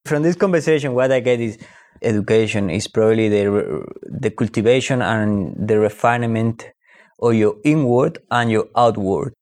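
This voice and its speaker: A man's voice: on the low side, a little mellow. A man from Spain, talking reflectively in a casual discussion and often restarting his sentences. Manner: reflective, halting with repeated restarts.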